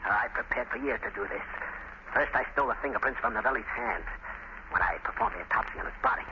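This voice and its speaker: A man's voice: medium pitch, fast talker, natural voice. An actor playing a bitter, gloating, cornered murderer, a male doctor, with intense melodramatic delivery in a 1930s radio play. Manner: theatrical, intense, villainous. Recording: muffled, faintly noisy 1930s radio recording.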